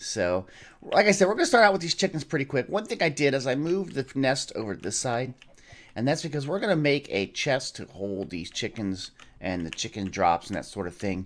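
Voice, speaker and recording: Fairly high in pitch and full of vocal fry, a man talks at a fairly quick pace with very wide pitch swings. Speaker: gaming YouTuber. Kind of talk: gameplay commentary. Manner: casual, with filler words.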